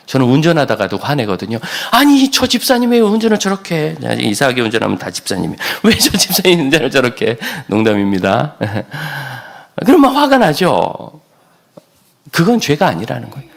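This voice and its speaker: A middle-aged male pastor preaching a sermon in a church, animated and humorous, often jumping up to high exclamations. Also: gravelly. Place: church sanctuary.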